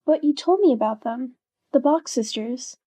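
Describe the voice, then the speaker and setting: A woman's voice: sits high, expressive, moderate pace, dark tone, no echo. A woman playing a friendly, insistent sixteen-year-old little sister in an audio drama. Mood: confident. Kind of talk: hobby audio drama acting.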